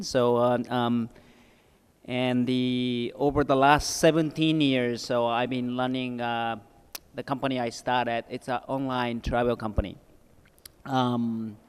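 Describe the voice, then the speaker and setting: A middle-aged man from Japan with a Japanese accent, introducing himself as a panelist in halting, informal English. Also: mid-range voice, darkish tone, clean tone. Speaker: panelist, travel company entrepreneur.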